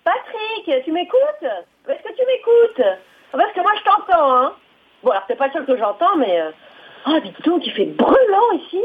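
A man doing a shrill young Joan of Arc. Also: big pitch swings, moderate pace, narrow, tinny audio. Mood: calling out. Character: Joan of Arc hearing voices, young woman.

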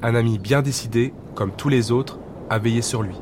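A man telling a bedtime story in a lively, expressive reading voice. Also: mid-range voice, normal speed, very noisy.

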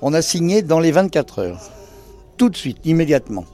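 A man's voice: fairly high pitch, very animated, normal speed, mellow, soft background music. An older man who owns a bar, telling anecdotes in casual conversation. He acts out the dialogue he quotes and hesitates often. He speaks indoors in his bar lounge. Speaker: bar owner.

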